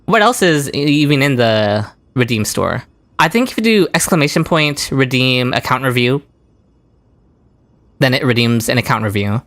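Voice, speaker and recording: A young man live-streams a game, chatting casually and giggling as he replies to his chat. His mid-range voice is fairly bright, with lively intonation and a moderate pace. The recording has no room sound, just game music running behind him.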